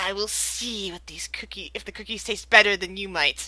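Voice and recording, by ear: Putting on a growling character voice, a woman speaks at a moderate pace and medium pitch.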